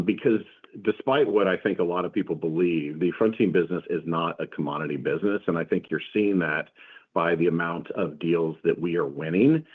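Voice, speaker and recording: A man answering questions as a company executive on an earnings call, in measured corporate explanation. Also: deep voice. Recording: muffled phone-like conference call line.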